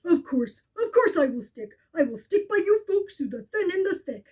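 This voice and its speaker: Woman doing a storybook elephant, male, earnest, protective, firm, high voice. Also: very animated, moderate pace, darkish tone. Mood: determined. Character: kind, loyal male elephant.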